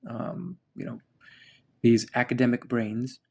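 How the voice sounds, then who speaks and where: A man's voice: mid-range voice, takes it slowly, vocal fry, warm tone. A man from the United States hosting a podcast, chatting casually and rambling with many fillers and restarts. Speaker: podcast host. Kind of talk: casual chat.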